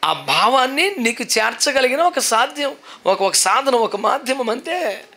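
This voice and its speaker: Man, pastor, sermon; high, bright, lively delivery with English asides. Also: unhurried. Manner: animated preaching, mixing in English, shouting praises. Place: church service.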